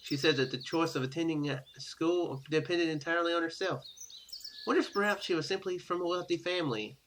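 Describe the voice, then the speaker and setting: A man's voice: fairly high pitch, fairly quick, fairly bright tone, slight background noise. A man hosting a gaming video, reading a visual novel's text aloud and dropping in casual, offhand comments. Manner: ad-libs offhand remarks, casual and informal.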